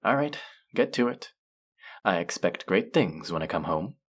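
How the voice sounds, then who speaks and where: Man playing a low, slow, teasing faerie trickster. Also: lively intonation. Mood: smug, commanding. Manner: teasing, drawn-out, mock-scolding, sultry. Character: teasing male faerie trickster, smug, dominant, playfully stern. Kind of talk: intimate roleplay audio drama.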